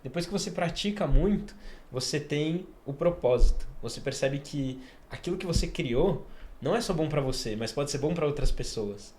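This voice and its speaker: A man's voice: a little high, lively intonation, moderate pace, a little mellow. A Brazilian man hosting a podcast. He eagerly explains an idea step by step in a casual way. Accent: Brazilian Portuguese. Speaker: podcast host.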